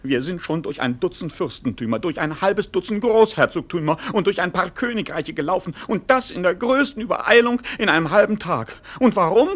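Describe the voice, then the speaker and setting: A man's voice: high voice, lively intonation, fairly quick, hardly any pauses, fairly bright tone. A man acting a grumbling comic vagabond in a classic radio play, theatrical and full of exclamations and mock philosophy. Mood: exasperated. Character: grumbling comic male vagabond companion to a prince.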